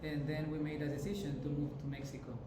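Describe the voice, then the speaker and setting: Peruvian-accented man, friendly, fairly high voice, echoey noisy room. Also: flat delivery, quick pace. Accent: Peruvian Spanish. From Peru. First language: Spanish. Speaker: butterfly sanctuary guest. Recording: echoey room with background noise.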